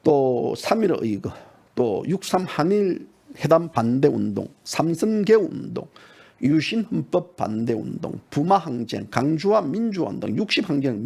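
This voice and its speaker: Heated gravelly Korean political commentator man. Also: big pitch swings, normal speed. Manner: heated, mocking, swings from low mutter to sudden high shouts.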